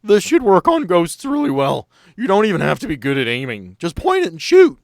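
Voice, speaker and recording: A man's voice: sits high, huge pitch swings, a little fast, creaky, a little mellow, dry recording, clean studio sound, pitched above the performer's own voice, full character voice. A man voicing a nervous, pimply half-human teenage boy with a cracking adolescent voice in a tabletop game. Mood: eager, instructive.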